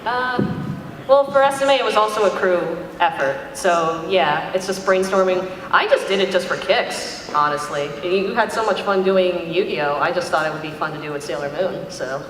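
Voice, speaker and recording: A woman's voice: fairly low pitch, moderate pace, crowd noise. A woman chatting casually and off the cuff as a panelist at a convention. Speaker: panelist and parody series creator. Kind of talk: casual unscripted panel chat. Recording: echoey hall, distant, clearly noisy.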